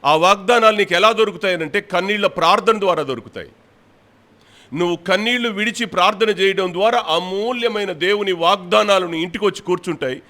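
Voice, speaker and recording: A middle-aged man preaching a sermon, his voice pitched high for a man. He scolds his congregation with pointed rhetorical questions, rising loud one moment and dropping quiet the next. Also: a little fast. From India. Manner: rebuking, rhetorical questions, swings between loud and soft. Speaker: pastor.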